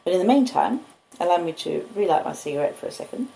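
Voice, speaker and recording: A woman with an Australian accent, reading and chatting in an unhurried, cosy storytelling way, recorded on basic home equipment. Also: lowish voice, expressive, gravelly, warm tone, slight background noise. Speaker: podcaster and audiobook reader. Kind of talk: relaxed live chat and literary storybook reading. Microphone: laptop and phone microphones. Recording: roomy echo, basic laptop and phone audio.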